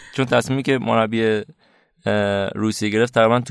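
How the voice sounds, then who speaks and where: Fairly low in pitch, a man speaks at a very fast pace in monotone, flat intonation. The background is quiet. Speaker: football podcast co-host. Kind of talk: casual chat.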